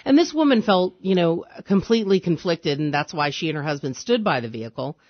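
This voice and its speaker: Smooth radio host guy taking calls, easygoing chatter, kinda dull dry studio sound. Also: on the high side, lively intonation, no room sound. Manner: smooth, conversational, quick to agree. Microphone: studio microphone.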